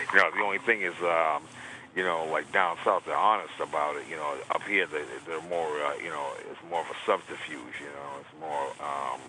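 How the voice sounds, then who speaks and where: A man with an American accent and a very deep, low pitch, at a moderate pace, with noticeable background noise. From southern Massachusetts. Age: 60s. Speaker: blues harmonica player. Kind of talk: interview. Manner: halting, many fillers.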